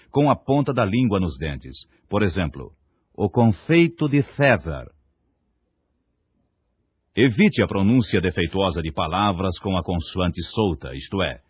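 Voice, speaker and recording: A man's voice: low voice, husky, no echo. A man from Brazil narrating a scripted diction lesson, articulating every syllable with care. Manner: careful, precise articulation. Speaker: diction teacher. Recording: dull lo-fi recording.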